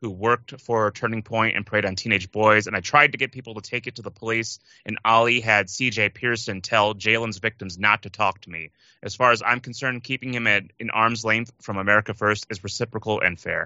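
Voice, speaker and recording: Talking at a fairly quick pace with hardly any pauses, a man with a plain, everyday voice keeps a medium pitch and fairly even intonation while his loudness swings widely. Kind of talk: casual banter.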